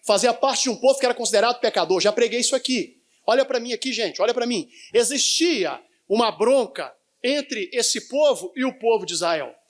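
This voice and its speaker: Male pastor, high-pitched, live sermon, call-and-response with the congregation. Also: expressive, fairly quick. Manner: prompts the congregation to finish his sentences. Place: church in front of a congregation.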